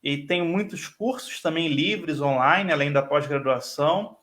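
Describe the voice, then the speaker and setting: A man's voice: on the high side, measured pace, fairly bright tone. A man with a Rio de Janeiro carioca accent, a guest professor speaking fluently in a live online interview, often tagging his sentences with "né". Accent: Brazilian Portuguese, Rio de Janeiro (carioca). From Brazil. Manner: fluent, explanatory, frequent "né" tags.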